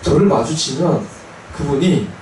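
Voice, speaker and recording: A male Buddhist chaplain giving a storytelling dharma talk, his fairly high voice rising and falling with animation. He slips into other people's voices as he recounts events. The sound comes from away from the mic in a boomy, reverberant hall with faint ambience. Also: animated, unhurried, a little mellow, slight background noise. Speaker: Buddhist military chaplain monk. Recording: echoey hall, voice from far off.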